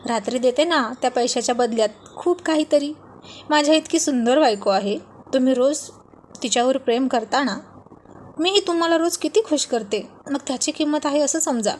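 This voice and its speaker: A woman's voice: high voice, moderate pace, slight background noise, close to an everyday voice. A woman voicing a playful young wife who coaxes and teases her husband. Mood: playful teasing. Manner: coaxing, teasing.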